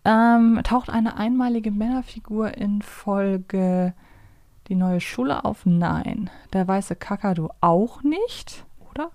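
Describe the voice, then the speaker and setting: A woman's voice: mid-range voice, takes it slowly, mellow, no echo. Woman hosting a casual podcast, dry sound. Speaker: podcast host. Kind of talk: casual chat, quiz game banter.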